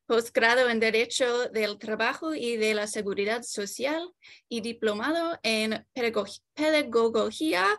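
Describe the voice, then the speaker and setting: Halting woman with an English-speaker's Spanish accent. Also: on the high side, fairly bright tone. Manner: halting, stumbles over long words. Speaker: board member introducing a speaker. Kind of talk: reading a formal introduction. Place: indoors on a video call.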